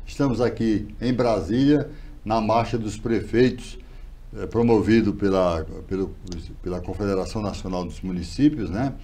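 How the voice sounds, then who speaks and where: A middle-aged man hosting a TV studio interview, speaking in a relaxed, drawn-out way with hesitations. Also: on the low side. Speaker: TV interview host. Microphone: lapel mic.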